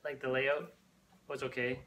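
A man in his thirties chats casually in a living room, sitting back from the camera. His voice is bright and a little tense, and he answers in short, hesitant bits over a faint hum. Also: mid-range voice, level tone, measured pace. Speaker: co-host, husband. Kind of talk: casual chat. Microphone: camera mic a few feet away.

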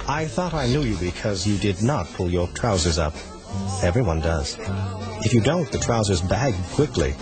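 An actor playing a calm, sinister male chief of searchers who hunts fugitives with smooth, unhurried politeness. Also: lowish voice, music in the background, lightly acted. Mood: menacing politeness. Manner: smooth, unhurried, quietly menacing. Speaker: villain searcher. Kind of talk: 1980s radio drama acting.

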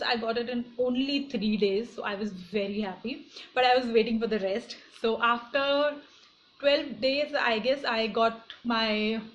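A young woman with an Indian accent talking casually to viewers and explaining things in a vlog. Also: fairly high pitch. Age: young adult. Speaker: online shopping vlogger. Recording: dull lo-fi phone audio, clear background noise.

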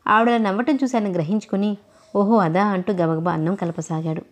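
A woman reading a novel aloud in a calm, even storytelling voice, giving the characters' lines only a light touch. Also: medium pitch, fast talker.

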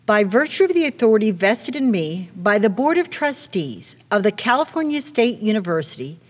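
A middle-aged woman, a university president, conferring degrees in a solemn, deliberate way at a podium on stage. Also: mid-range voice, sing-song, slightly rough. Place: stage with podium and red curtains. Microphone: podium mic. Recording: long hall reverb.

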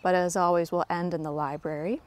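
On a handheld phone camera, a garden vlogger stays off screen while she gives a casual walking tour of her home garden outdoors. Her voice is lowish and fairly quick, with fairly even intonation. She's chatty and self-deprecating and talks to viewers like friends.

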